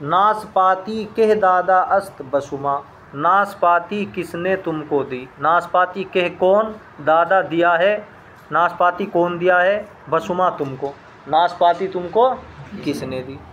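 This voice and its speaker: A man's voice: high-pitched, slow pace, a bit bright, a little hiss or hum. A man teaching a language lesson, saying each phrase, repeating it, and translating it word by word in a patient, methodical way.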